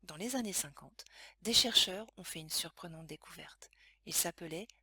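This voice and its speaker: A woman reading scripted science lesson narration in a measured, explanatory way. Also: fairly low pitch, bright, forceful tone, slightly rough, no echo, studio quality. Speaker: educational narrator.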